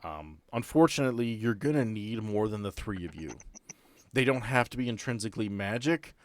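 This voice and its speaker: A man's voice: on the low side, animated, brisk, dry recording. Man running a tabletop game, dry close sound. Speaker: game master. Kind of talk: improvised narration of a tabletop game.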